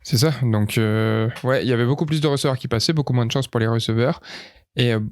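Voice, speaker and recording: A man's voice: mid-range voice, quick pace. A man co-hosting a podcast, chatting casually and agreeing as he chimes in. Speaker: podcast co-host. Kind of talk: casual chat.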